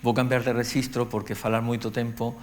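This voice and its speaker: A middle-aged man with an Andalusian accent gives a public lecture on music education, speaking in a measured way with frequent pauses. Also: mid-range voice, little pitch movement. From Andalusia, Spain.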